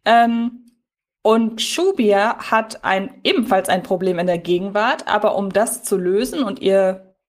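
A woman's voice: medium pitch, lively intonation, a little slow. A woman co-hosting a podcast in casual discussion, speaking in wordy, circling sentences. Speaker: podcast co-host. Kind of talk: casual podcast discussion of an audio drama episode.

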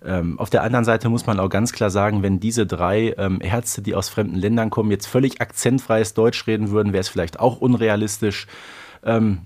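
A man's voice: fairly low pitch, steady tone, normal speed, a little mellow. Hesitant man chatting on a podcast. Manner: hesitant, many filler sounds. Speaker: podcast host. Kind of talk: casual podcast chat about a radio play.

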